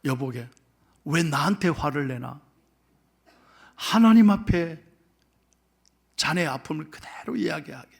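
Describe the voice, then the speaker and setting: Calm elderly rabbi, hushed and soothing , as a preacher puts him on, slightly gravelly. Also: male voice, on the high side, measured pace, pauses often. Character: calm old rabbi, gently counseling.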